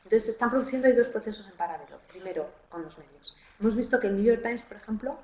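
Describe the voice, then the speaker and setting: A woman's voice: fairly high pitch, animated, a little mellow. Analytical woman in a roomy online call. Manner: analytical, measured. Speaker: political analyst guest. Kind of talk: explanatory webinar answer. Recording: roomy, dull online audio.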